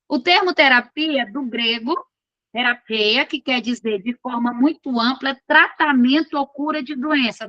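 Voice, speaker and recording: A woman's voice: sits high, bright, forceful tone, no echo, lo-fi sound. A woman teaching an online class. She reads from course notes and keeps checking in with her students in a chatty, informal way.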